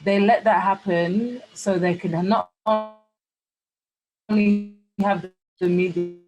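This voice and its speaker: A woman joins an online discussion over a connection that keeps cutting out, her voice glitching and dropping while she speaks in a halting way. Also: mid-range voice, fairly even intonation, music in the background, rough recording. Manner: halting, searching for words. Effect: glitching audio, connection cutting in and out. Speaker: participant in an online group discussion. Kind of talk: casual discussion. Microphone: computer or phone mic over an internet connection.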